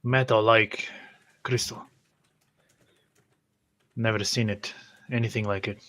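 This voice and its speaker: A man playing a tabletop roleplay game, describing his character's actions and speaking in character, halting and terse. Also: lowish voice, steady tone, bright, forceful tone.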